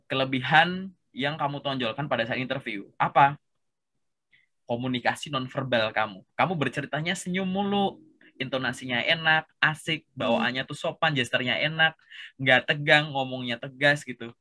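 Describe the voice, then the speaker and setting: A man's voice: fairly high pitch, sharp tone. A man casually coaching a job seeker over a video call, chatty and explanatory, with lots of filler tags. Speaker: career coach.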